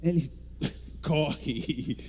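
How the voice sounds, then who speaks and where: A male preacher with an English-speaking foreign accent, delivering a theatrical charismatic sermon in halting, non-native speech. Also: a little high, a little mellow, a little hiss or hum. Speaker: guest preacher. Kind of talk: charismatic sermon in Portuguese as a second language.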